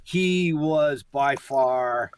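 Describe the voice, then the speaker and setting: A man's voice: medium pitch, smooth, no room sound. A man hosting a casual interview, gushing with praise and often restarting his sentences. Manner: effusive, halting with fillers and restarts. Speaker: podcast host.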